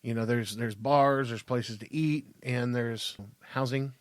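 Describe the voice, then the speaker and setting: A man's voice: mid-range voice, fairly even intonation, a little slow, no echo. A man in his fifties with an American accent, bantering casually and crudely as a podcast co-host, with emphatic delivery. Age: 50s.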